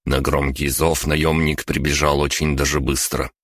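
Very deep-voiced man narrating. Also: little pitch movement, normal speed, no room sound, studio quality. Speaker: audiobook narrator. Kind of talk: scripted first-person narration.

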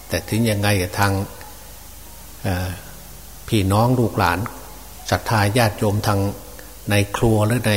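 A man preaching as a monk, folksy and unhurried, with many fillers. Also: lowish voice. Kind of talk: Dhamma sermon. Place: open temple hall. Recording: distant reverberant hall with faint noise.

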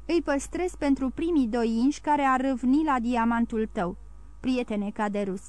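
A woman voicing a shrewd male jeweller in an audiobook, brisk and polite. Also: extremely high pitch, darkish tone, no echo. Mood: wary.

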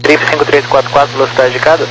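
A man with a medium-pitched voice speaks over a two-way radio with faint hum. He issues procedural air traffic instructions as an approach controller. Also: flat delivery, very fast, fairly bright tone. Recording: faintly noisy, humming radio channel.

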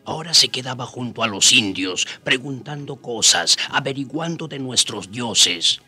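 A man's voice: mid-range voice, expressive, normal speed, sharp tone, breathy edge, soft background music, exaggerated voice. An actor playing an indigenous Caribbean man who narrates his people's story in a radio drama. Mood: reflective narration.

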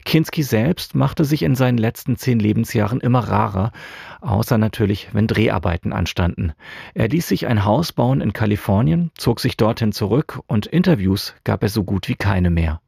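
A man's voice: on the low side, animated, normal speed, gravelly, a little mellow, slightly rough, no room sound. A man presenting a scripted radio introduction from a studio.

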